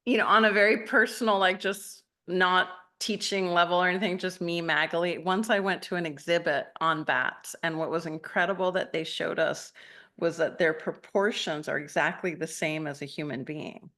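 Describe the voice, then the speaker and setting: Low, gravelly woman meditation teacher from Argentina, gentle and rambling. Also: steady tone, moderate pace. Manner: gentle, rambling, laughs often. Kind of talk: casual live-session chat with participants.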